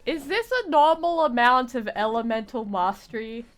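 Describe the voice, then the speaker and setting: A woman with a fairly high, expressive voice chats casually at a moderate pace while live-streaming a video game. She rambles and frequently restarts her phrases, with game music playing behind her.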